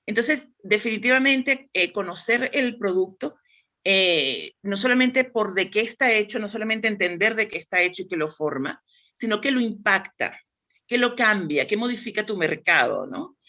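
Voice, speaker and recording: A woman's voice: mid-range voice, lively intonation, moderate pace, bright, forceful tone. A woman from Spain with a Spanish accent, a guest explaining demand planning in a thoughtful, conversational way with frequent restarts. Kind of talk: conversational interview.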